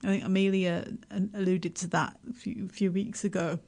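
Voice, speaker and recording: A woman's voice: mid-range voice, flat delivery, darkish tone. Laughing woman with a Yorkshire accent. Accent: Yorkshire English. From Yorkshire, England. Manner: self-deprecating, laughs often, halting restarts. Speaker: guest. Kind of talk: casual radio interview.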